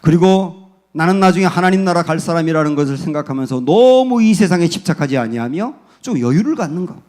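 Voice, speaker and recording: A man pastor preaching a Sunday sermon in a church, building from quiet storytelling to fervent peaks. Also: on the high side, animated, a little fast. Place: church sanctuary.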